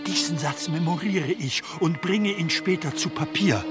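An actor playing an earnest, deferential medieval scribe in a radio play, with a formal, archaic and solicitous manner. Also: male voice, on the high side, normal speed, close to an everyday voice. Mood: earnest, puzzled. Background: music.

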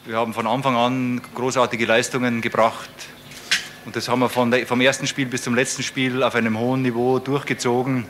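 A man giving an unscripted sports interview, making firm, deliberate assertions about a match. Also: medium pitch, flat delivery, a bit bright. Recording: archive clip with faint background noise.

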